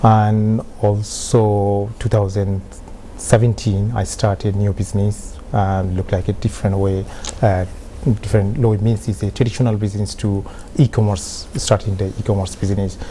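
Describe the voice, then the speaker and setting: A man's voice: fairly low pitch, level tone, moderate pace, warm tone, rough recording. Hesitant Bangladeshi-accented male guest. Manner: hesitant, frequent "you know" fillers. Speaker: studio guest. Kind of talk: self-introduction on a talk show. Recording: faint background noise.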